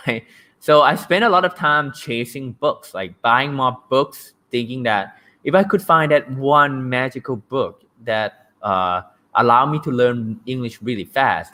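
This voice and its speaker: With a Thai accent and a medium-pitched, sharp-toned voice, a young man from Thailand hosts a casual livestream about language learning. His style is blunt and joking, and he regularly checks in with "right?".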